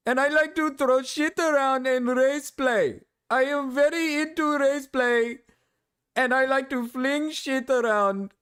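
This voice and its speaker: A man's voice: very high voice, steady tone, measured pace, a bit bright, clean tone, pitched above the performer's own voice. A man putting on a pleading, mock-earnest man who insists on his innocence in a whiny, insistent way. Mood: pleading, boastful.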